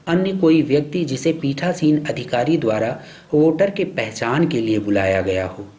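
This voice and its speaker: A man reading scripted instructional narration for a training film in a formal, measured, instructive way. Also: medium pitch, darkish tone. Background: background music.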